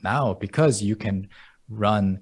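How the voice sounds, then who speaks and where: A man with a fairly low voice, speaking English as an in a relaxed interview. He explains things patiently and often chuckles as he makes a point. His tone is conversational and friendly rather than formal. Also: takes it slowly, breathy edge. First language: Korean. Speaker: guest, language educator.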